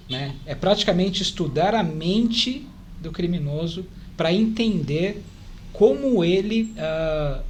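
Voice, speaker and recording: A man's voice: fairly high pitch, a little hiss or hum. A man in his forties with a São Paulo Brazilian accent, chatting casually as a podcast guest and often adding little tag questions. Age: 40s. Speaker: podcast guest, church stake president. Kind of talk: casual interview chat.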